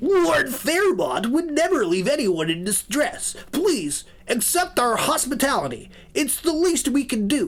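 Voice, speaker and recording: Using a put-on character voice, a man pitches his speech extremely high. The delivery comes fairly slowly. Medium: actual play. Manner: formal, stiff.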